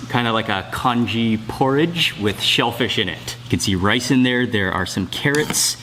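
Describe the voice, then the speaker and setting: A man's voice: lowish voice, fairly bright tone, a little hiss or hum. A man narrating a travel and food vlog in a casual, upbeat way, talking straight to the camera. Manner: upbeat, descriptive, talks to the camera. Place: outdoors and in public places while traveling.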